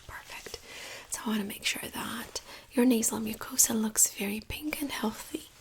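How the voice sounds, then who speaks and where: A woman softly whispering in an ASMR medical exam roleplay, giving slow, gentle, attentive instructions as the examiner. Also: a little high. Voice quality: soft breathy whisper.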